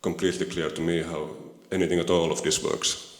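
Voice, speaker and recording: A man's voice: low-pitched, flat delivery, brisk. A man whose first language is Swedish, asking a long question at a panel, hesitant and searching for words. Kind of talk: panel discussion. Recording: echoey hall.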